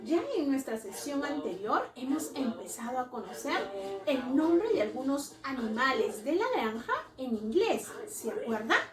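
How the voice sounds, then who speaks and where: A woman teaching young children at a slow, clear pace, in a sing-song, coaxing way with many checking questions. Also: high voice, lively intonation, a crowd in the background. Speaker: preschool teacher. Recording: roomy and distant, music behind.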